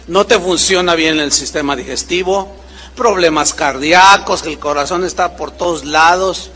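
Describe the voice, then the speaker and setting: A man preaches in a high, bright voice with a long reverb behind him, the way a large hall sounds. He swings his pitch widely as he acts out short exchanges between people in his stories. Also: normal speed, slight background noise. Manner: animated preaching with acted-out dialogue voices. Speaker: pastor. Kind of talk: sermon.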